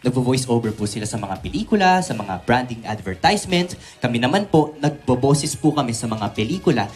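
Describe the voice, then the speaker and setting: A young voice artist from the Philippines, politely and eagerly answering questions as a guest on a morning TV show. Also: male voice, mid-range voice, animated, fairly quick, soft background music. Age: young adult. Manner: polite, eager, talks with many respectful "po".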